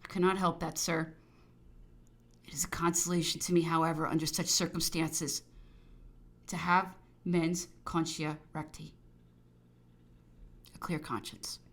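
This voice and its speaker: A woman reads as a dignified English army doctor in a historical audiobook. The delivery is formal and restrained, quietly standing firm with careful, measured words. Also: deep voice, level tone, full character voice. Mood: quietly defiant. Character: composed, dignified male English officer and physician, politely defiant. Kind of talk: dramatized audiobook reading of a historical memoir.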